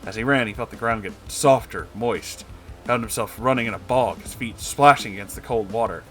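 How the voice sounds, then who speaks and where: A man's voice: fairly low pitch, a little fast, fairly bright tone, faint music behind. A man narrating a comedic story in a dramatic, theatrical way.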